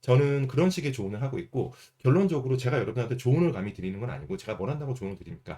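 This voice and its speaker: A man's very fast, somewhat breathy voice with a dark, mellow tone, medium pitch and very wide pitch swings. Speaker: stock market commentator. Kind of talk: market commentary monologue. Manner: fast talker by habit.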